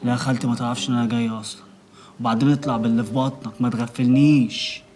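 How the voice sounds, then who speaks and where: A man's voice: medium pitch, fairly even intonation, rapid-fire, a little mellow, natural voice. An actor playing a young wounded man who confronts his relative and demands the truth in a television drama. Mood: demanding. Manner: insistent, confrontational. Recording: TV drama with faint music.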